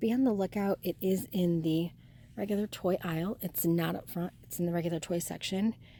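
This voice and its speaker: A woman speaks quietly at a fairly quick pace, her fairly low, dark, mellow voice showing ordinary pitch variation and big swings in loudness. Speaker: shopping vlogger. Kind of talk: shop-with-me vlog. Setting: inside a store. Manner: quiet, hushed.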